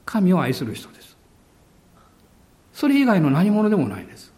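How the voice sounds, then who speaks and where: A male pastor preaching a sermon with emphasis, drawing out key words slowly. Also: high voice, huge pitch swings, darkish tone.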